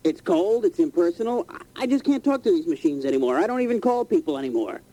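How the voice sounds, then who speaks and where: A man's voice: high-pitched, sing-song, fast talker, mellow, low-quality recording. A man playing an aggrieved, flustered call-in complainer, agitated and stammering, in a comic sketch. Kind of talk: acted comedy sketch.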